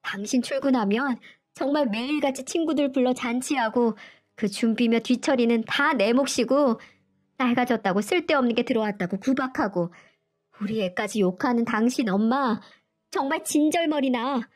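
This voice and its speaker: A woman reading a story aloud, voicing a furious young wife who shouts in a shrill, tearful voice. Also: moderate pace, faint music behind, close to an everyday voice. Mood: bitter.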